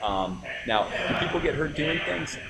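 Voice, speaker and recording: A man with an American accent talks at a moderate pace, with noticeable background noise and audible room echo. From Cleveland, Ohio. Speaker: gym owner and fitness coach. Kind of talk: casual interview. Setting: in a gym during a workout. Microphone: poor audio quality.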